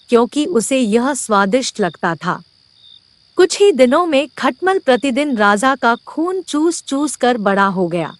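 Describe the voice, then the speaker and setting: A woman narrating a children's moral story in an expressive storytelling voice. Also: sits high, no room sound.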